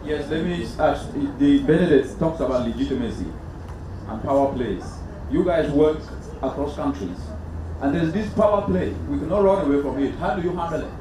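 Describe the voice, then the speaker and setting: A man from Cameroon leads a panel in a big conference hall, pressing the speakers with emphatic questions. His voice sits a little high and comes from a distance, with heavy echo and steady background noise. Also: moderate pace. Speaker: panel moderator. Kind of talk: moderating a panel discussion. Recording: echoey hall, distant mic, noisy.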